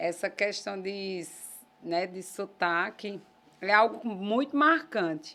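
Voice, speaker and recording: Speaking at a very slow pace, a woman uses a medium pitch and a bright, sharp tone. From Paraíba, Brazil (Lagoa Seca near Campina Grande). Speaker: business executive. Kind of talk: interview.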